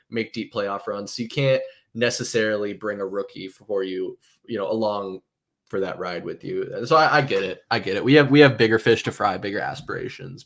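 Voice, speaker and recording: Brief: male co-host, low voice, rambling casual sports talk, swears freely. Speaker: podcast co-host.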